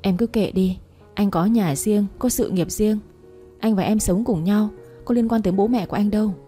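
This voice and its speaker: A woman's voice: medium pitch, moderate pace, warm tone, lightly acted. A woman voicing a devoted young man who earnestly pleads with his girlfriend, over faint background music. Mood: pleading.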